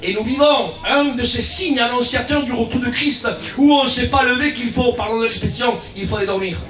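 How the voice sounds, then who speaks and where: A guest pastor giving a lively sermon, acting out little dialogues, shouting key lines and dropping into low asides. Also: male voice, a little fast. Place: church hall. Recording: echoey church from far off.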